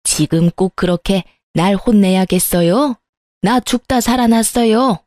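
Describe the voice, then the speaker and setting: A woman's voice: medium pitch, a little slow, dry recording, clean studio sound, lightly acted. A woman voicing a spiteful older mother-in-law. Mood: sulky. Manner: sharp, scornful scolding.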